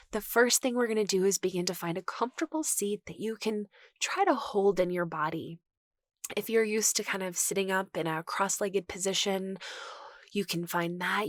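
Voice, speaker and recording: A woman meditation teacher giving guided meditation instruction in a gentle, reassuring, unhurried manner. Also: medium pitch, no room sound, studio quality.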